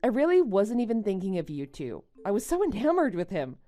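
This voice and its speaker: Casting: actress as betrayed young wife in animated melodrama, sensible and firm, medium pitch with very varied intonation. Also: female voice, brisk, faint music behind. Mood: matter-of-fact. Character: indignant, level-headed young married woman, betrayed friend. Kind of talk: melodramatic animated-story voice acting.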